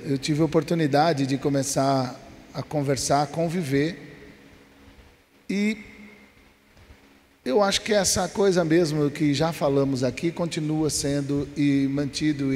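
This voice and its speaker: A Brazilian pastor on a church panel, telling a story in lively, colloquial Portuguese. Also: male voice, on the high side, takes it slowly. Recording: reverberant church hall.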